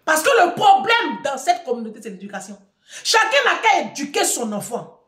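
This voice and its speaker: A woman's voice: high-pitched, big pitch swings, normal speed, a bit bright, echoey room. A middle-aged woman giving impassioned advice to her audience, emphatic and preachy, repeating phrases for force.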